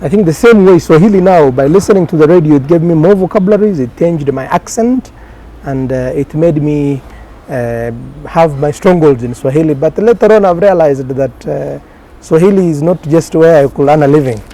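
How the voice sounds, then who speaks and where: His voice leans high and warm, moving at normal speed, in a low-quality recording. He's a journalist guest from Kenya who grew up in Garissa, a native Somali speaker. In a casual interview he tells his career story, restarting often and using many fillers.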